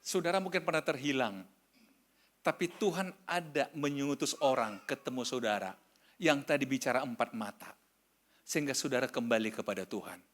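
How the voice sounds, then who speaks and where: A male pastor in his sixties from Indonesia, preaching a sermon, moving from loud emphatic exhortation to quiet personal confession. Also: mid-range voice, normal speed. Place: church hall.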